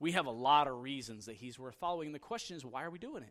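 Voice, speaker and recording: A plain, everyday voice from a man, fairly high and lively in intonation, at a fairly quick pace in a very clean recording with a silent background. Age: 30s. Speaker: pastor. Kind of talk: sermon.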